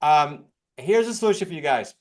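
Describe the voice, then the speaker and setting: A man from New England with an American accent, presenting case studies as an informal, fast-talking real estate coach. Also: a little high, expressive. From New England, United States. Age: middle-aged or older.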